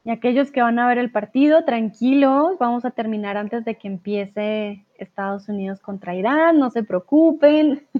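A woman teaching Spanish on a live stream, patiently reading out viewers' chat answers and correcting them, sometimes explaining in English or German. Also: fairly high pitch. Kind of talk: live online language lesson. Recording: tinny narrow-band stream audio.

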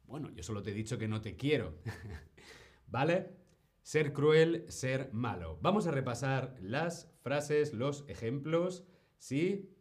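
A man teaching Spanish on a live stream, speaking slowly and deliberately, repeating words and often checking in with the viewers. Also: medium pitch, big pitch swings. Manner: answers viewer questions from chat. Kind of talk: live-streamed language lesson.

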